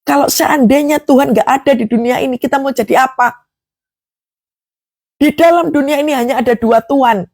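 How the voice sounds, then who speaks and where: A woman's voice: sits high, moderate pace, a little mellow, no room sound, clean studio sound. A woman preaching a devotional sermon, emphatic, with rhetorical questions and acted prayers.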